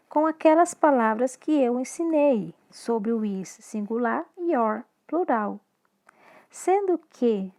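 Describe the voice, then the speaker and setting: A woman with a Brazilian Portuguese accent teaches English in a recorded lesson, shifting between English and Portuguese. She speaks slowly and clearly, and her voice is high and a little mellow.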